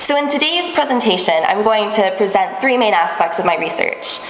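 Young woman presenting research, measured and clear, roomy echo, long reverb tail, faint background noise. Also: medium pitch, animated. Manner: clear, measured lecturing with occasional restarts. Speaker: conference panel presenter. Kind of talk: academic presentation. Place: small seminar room.

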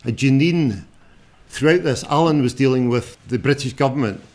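A man in his sixties with a strong Scottish accent gives an informal, unscripted talk as a journalist, speaking plainly and haltingly. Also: medium pitch, darkish tone. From Scotland. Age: 60s.

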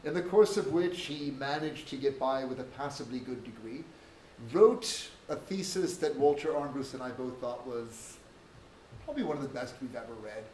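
A man hosting a talk, giving a measured, academic introduction with dry humor in a lecture room. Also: mid-range voice, a little mellow, a little hiss or hum. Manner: measured, academic, dryly joking. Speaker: event host introducing a speaker. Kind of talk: formal spoken introduction. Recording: echoey room from far off.

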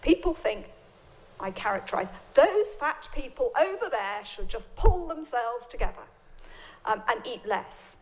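A woman, an invited expert answering an audience question at a public lecture in a measured, explanatory way with emphatic rises. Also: fairly high pitch, sing-song, poor audio.

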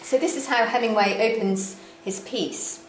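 Female lecturer, measured delivery with a dry wit and plenty of ums; roomy hall sound with a faint hiss under it. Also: on the high side. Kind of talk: academic lecture with slides. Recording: echoey room with faint background noise.

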